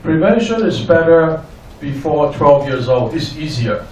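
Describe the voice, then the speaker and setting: An older man giving a lecture in short, deliberate, simply worded phrases. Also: fairly high pitch, animated, darkish tone. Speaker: guest lecturer, clinical psychologist. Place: echoey indoor venue. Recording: echoey, distant, noisy room.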